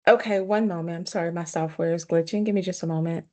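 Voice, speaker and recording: A woman's voice: on the low side, fairly even intonation, fast, a little mellow. A woman on a video call during a formal hearing, polite and apologetic, her audio glitching and choppy.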